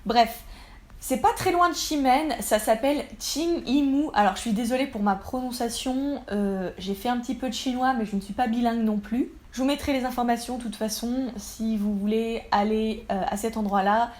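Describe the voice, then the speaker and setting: A woman's voice: a little high, normal speed, darkish tone. A young woman narrating a casual travel vlog, chatty and enthusiastic as she gushes about food. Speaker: travel vlogger.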